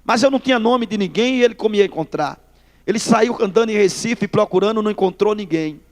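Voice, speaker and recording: High-voiced Northeastern Brazilian pastor preaching. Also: male voice, fast. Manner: folksy storytelling, addresses listeners as brother. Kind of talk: testimony sermon. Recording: long hall reverb.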